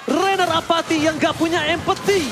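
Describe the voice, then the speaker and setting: Casting: male Indonesian esports caster, high voice, hyped fighting-game announcer delivery, music bed. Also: steady tone. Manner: hyped fighting-game announcer calls with drawn-out English kill phrases. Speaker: esports match commentator. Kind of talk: live play-by-play esports commentary. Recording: music behind the voice.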